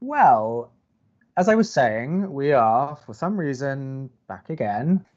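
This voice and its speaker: A man playing a reluctant college radio co-host in an audio romantic comedy, dry and exasperated, halting when flustered. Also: medium pitch, sing-song, a little mellow, muffled recording. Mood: dry, weary.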